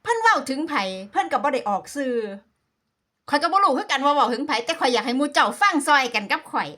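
A woman's voice: high voice, very animated, fast, pushed and bright. A woman with an Isan Thai accent chatting casually like a sassy, playful gossip vlogger, slipping between dialect and standard Thai. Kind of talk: casual gossipy reaction commentary.

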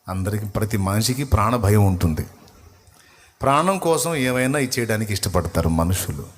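A man preaching a sermon, retelling a scripture story and acting out its dialogue with shifting intensity. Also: medium pitch. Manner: storytelling, acts out quoted dialogue with rising and falling intensity. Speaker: pastor. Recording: long hall reverb.

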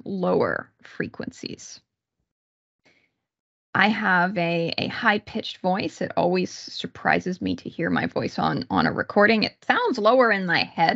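A woman giving an explanatory online lecture, speaking haltingly with pauses mid-sentence over a video call. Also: fairly low pitch, gravelly, bright, forceful tone, highs cut off. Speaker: university psychology lecturer. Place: small room indoors, on a video call.

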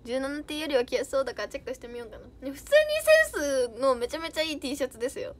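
A woman's voice: high-pitched, huge pitch swings, quick pace. A young woman idol chatting casually on a livestream, reading out viewer comments with bubbly giggles.

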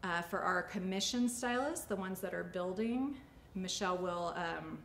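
Creaky-voiced woman chatting through a demonstration. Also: fairly low pitch, moderate pace, fairly bright tone. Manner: chatty, informal. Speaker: salon owner and hairstylist teaching a class. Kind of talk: casual instructional talk during a demonstration. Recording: echoey studio room, faint ambient noise.

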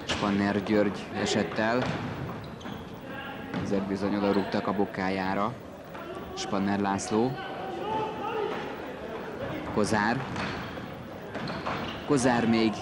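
A man giving live match commentary on indoor football, terse and calling out players' names play by play. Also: lowish voice. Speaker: sports commentator. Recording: noisy gym recording, ball bounces behind. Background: indoor sports hall with bouncing ball.

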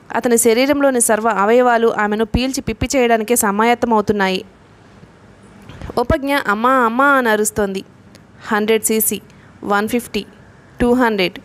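A woman narrating a novel as an audiobook reader, reading the characters' lines in her own voice. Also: a little high.

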